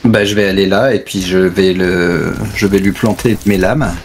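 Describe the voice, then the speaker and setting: A man's voice: deep voice, fairly even intonation, normal speed. A man playing a tabletop role-playing game, casually describing his moves in a hesitant, searching way. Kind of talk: casual role-play chat. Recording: music laid under the voice. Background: background music.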